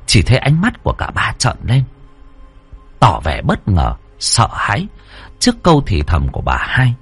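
A man narrating a horror story in a vivid, expressive storytelling manner. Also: fairly low pitch, husky.

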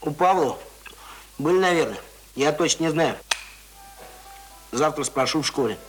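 An actor playing an earnest, know-it-all schoolboy in a radio play, speaking in a brisk, instructive, colloquial way. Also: male voice, fairly high pitch, lively intonation, faint music behind, natural voice, low-quality recording.

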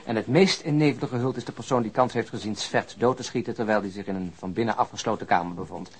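An actor playing a hurried, irreverent male police colleague in a radio play, informal and excitable. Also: lowish voice, close to an everyday voice. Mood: puzzled. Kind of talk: naturalistic radio play dialogue.

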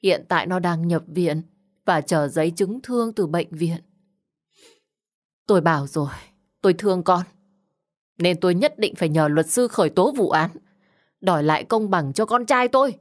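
Woman playing a shouting, vengeful middle-aged mother in an audio story, lower-pitched, indignant. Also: moderate pace, long pauses, lightly acted.

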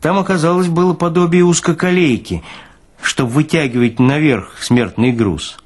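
A man's voice: a little high, normal speed, a little hiss or hum. A man narrating literary fiction expressively, as in an audiobook.

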